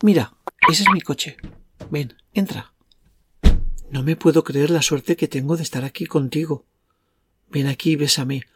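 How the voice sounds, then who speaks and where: A man's voice: fairly high pitch, measured pace, pauses often, a bit bright, roomy sound. A man playing a lustful, cocky werewolf in an audio drama, narrating his night in a crude, self-satisfied way. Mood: eager, lustful. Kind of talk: audio fiction acting with first-person narration.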